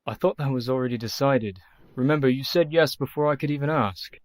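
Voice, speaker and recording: A man playing an earnest young doctor, measured and devoted, in a radio play. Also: mid-range voice, no echo, clean studio sound, close to an everyday voice. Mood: tender.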